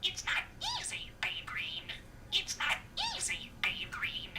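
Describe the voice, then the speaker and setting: A pet budgie mimicking human phrases in parakeet chatter, with a squeaky, garbled, scratchy whispery voice. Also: slow. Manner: parakeet chatter, mimicked speech in chirpy squawks.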